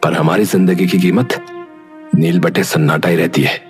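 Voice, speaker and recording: A man playing a troubled, quietly determined young villager in a dramatized story, brooding in manner. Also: deep voice, steady tone, normal speed, gravelly. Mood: bitter, brooding. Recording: music under the voice.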